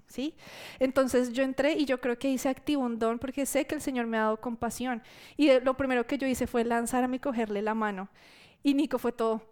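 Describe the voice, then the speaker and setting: A woman preacher giving a sermon testimony to her church, telling the story in a lively way and acting out what people said. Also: fairly high pitch, clean tone.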